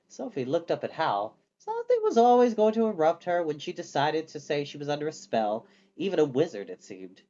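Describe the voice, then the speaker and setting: Animated storyteller, muffled lo-fi recording. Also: medium pitch, fairly quick. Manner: animated, acts out dialogue. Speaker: storyteller reading a children's novel aloud. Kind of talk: expressive storybook reading.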